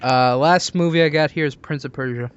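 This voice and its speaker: A man's voice: fairly high pitch, brisk. A man hosting a podcast in a casual, chatty style. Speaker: podcast host. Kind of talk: casual chat. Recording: dull lo-fi voice chat, noisy.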